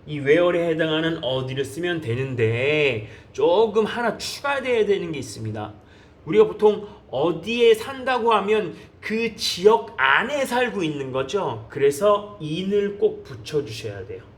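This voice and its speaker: Korean man, high voice, teaches English by drilling phrases slowly and coaxing learners. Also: expressive. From South Korea. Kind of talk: online English lesson.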